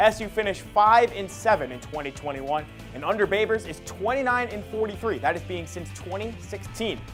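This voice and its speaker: Music plays behind a voice whose pitch swings very widely and whose loudness rises and falls sharply. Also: man, fairly high pitch for a man, fairly quick pace. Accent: American. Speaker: news anchor. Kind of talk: TV news anchor delivery.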